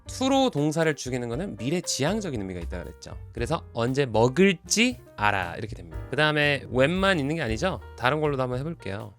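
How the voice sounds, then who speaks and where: A man giving an online English lesson. He keeps quizzing the viewer and slows down to spell out each example sentence. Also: medium pitch, fairly bright tone. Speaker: English teacher.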